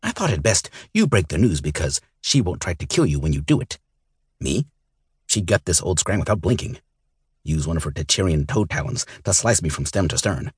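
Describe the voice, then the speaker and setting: A man voicing an old male lizard-like alien weapons dealer who talks in a slow, hissing, grudging way, with a husky voice. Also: deep voice, very animated, no room sound, studio quality, exaggerated voice. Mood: gruff.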